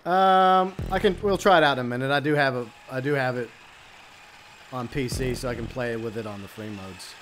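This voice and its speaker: A man's voice: medium pitch, brisk, a bit bright, a little hiss or hum. A man hosting a live game stream, chatting casually and rambling with fillers and asides. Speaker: streamer host.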